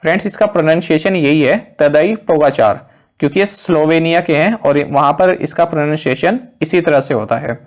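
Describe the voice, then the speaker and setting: Indian man teaching a current-affairs quiz. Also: fairly high pitch. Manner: reads questions slowly, then explains in quick asides. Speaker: exam-prep quiz host.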